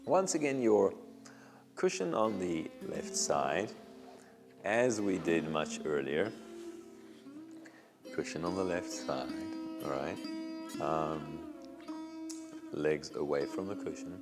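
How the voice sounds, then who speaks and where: Middle-aged male yoga teacher, unhurried and soothing; lapel mic in a reverberant studio. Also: low-pitched, animated, over music. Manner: slow, soothing cues timed to the breath. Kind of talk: guided yoga class instruction. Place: indoor yoga studio with bare walls. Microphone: small clip-on lapel mic.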